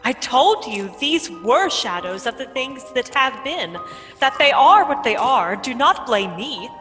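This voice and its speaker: A woman's voice: high-pitched, big pitch swings, measured pace, a bit bright, exaggerated voice. A woman as a stern, echoing ghostly spirit. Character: stern ghostly spirit showing shadows of the past. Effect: long reverb. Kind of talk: radio play acting. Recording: long echoing reverb under music.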